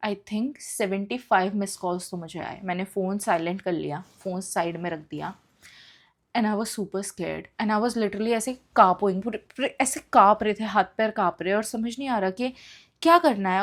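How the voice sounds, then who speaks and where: A young woman telling a personal story in a casual, emotional monologue, mixing English phrases into her speech. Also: a little high. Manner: emotional, expressive retelling.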